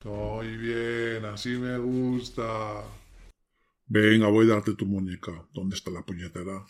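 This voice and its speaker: A man's voice: lowish voice, little pitch movement, slow pace. A man playing a sinister yet doting father who tells twisted bedtime stories in an audio drama, wry and grumbling. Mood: indulgent, grumbling. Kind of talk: audio fiction acting.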